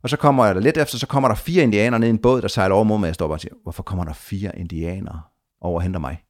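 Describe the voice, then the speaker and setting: A man telling a long story of his trip in a casual conversation, lively, with frequent restarts and repeated words. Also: on the low side.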